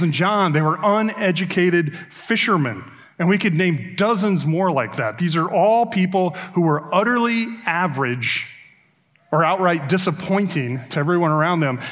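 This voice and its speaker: A man's voice: a little high, expressive, moderate pace, a bit bright. A man pastor, preaching a conversational sermon and acting out the lines he quotes. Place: church sanctuary. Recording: long reverb of a large hall.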